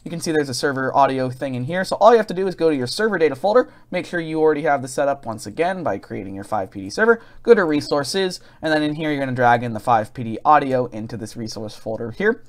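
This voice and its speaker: A man giving a casual software tutorial as host, recorded as a voice-over at his computer. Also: medium pitch, lively intonation, fast, few pauses.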